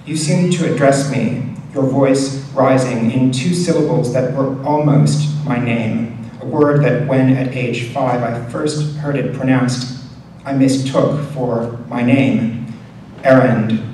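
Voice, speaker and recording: A man reading poetry aloud as a poet, in a measured, deliberate delivery with pauses between short phrases. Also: mid-range voice, dark tone. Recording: very echoey room, distant mic, faint noise.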